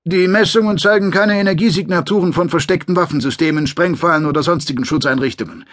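A man's voice: on the high side, quick pace, a bit bright, no echo, studio quality, pitched above the performer's own voice, close to an everyday voice. A male narrator voicing an alien squad member giving a matter-of-fact scan report. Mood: factual.

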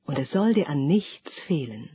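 Fussy, kindly fairy-tale dwarfs read by a woman, husky and dry, dull audiobook recording. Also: low voice, very animated, normal speed, dry recording, full character voice. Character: seven kindly little male dwarfs, fussy.

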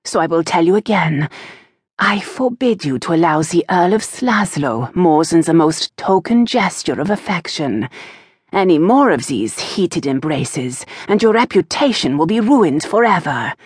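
A strict, high-born mother, raised in pitch and pressing hard on every reproach, as a woman reads her. Her husky voice swings widely as she scolds, close and dry. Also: animated, measured pace, no echo. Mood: stern. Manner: severe, disapproving and lecturing. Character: stern, proper aristocratic mother scolding her daughter.

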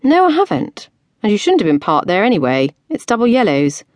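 A woman narrator voicing a feisty, quick-tempered woman in her late twenties, with sharp, indignant delivery. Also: huge pitch swings, no echo. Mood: defiant. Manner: indignant outbursts, shrill when cross.

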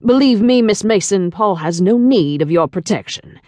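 A woman's voice: animated, moderate pace, warm tone, no echo, close to an everyday voice. A woman voicing an imperious, impatient male shipping magnate in an audiobook, with a trace of French accent and a formal, commanding manner. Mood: impatient, stern. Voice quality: deep, smooth tone. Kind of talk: audiobook character dialogue.

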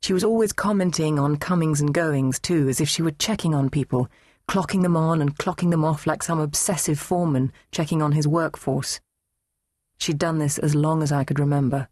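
Woman reading a novel in first person, calm low voice, dead dry studio sound. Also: normal speed, dry recording. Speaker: audiobook narrator. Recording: dry, close studio read.

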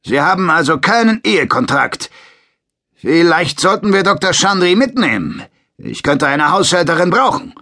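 A man's voice: fairly high pitch, big pitch swings, moderate pace, bright, forceful tone, pitched above the performer's own voice, exaggerated voice. A man voicing a menacing, brutish alien soldier sergeant in an audiobook, speaking with a mocking drawl. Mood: sneering. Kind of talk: audiobook character voice.

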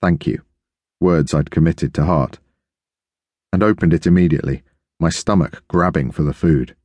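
A man narrating an audiobook in the first person, steady and measured. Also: rumbling low, no echo.

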